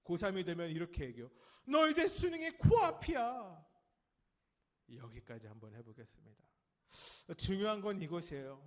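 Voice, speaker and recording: A Korean man preaching a Sunday sermon, telling stories and speaking straight to the congregation, his sentence endings trailing off soft and low. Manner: lively storytelling with acted quotes of nagging adults; talks directly to the congregation and children. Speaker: pastor. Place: church sanctuary.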